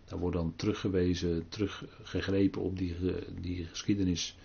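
Deep gravelly-voiced older man preaching. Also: little pitch movement, darkish tone, highs cut off. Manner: halting, many fillers and restarts. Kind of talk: unscripted Bible talk.

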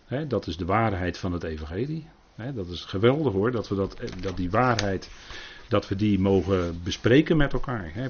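A man's voice: on the low side, slightly rough. A man teaching on scripture in a sermon style, emphatic, with frequent tag questions and rising stresses. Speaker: preacher. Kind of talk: bible study talk. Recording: muffled lo-fi recording.

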